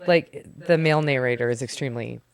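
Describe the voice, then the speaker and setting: A woman co-hosting a book podcast, leading the chat in a brisk, laughing way. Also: a bass voice. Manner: brisk, leads the segment, laughs often. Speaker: podcast co-host. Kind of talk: casual chat.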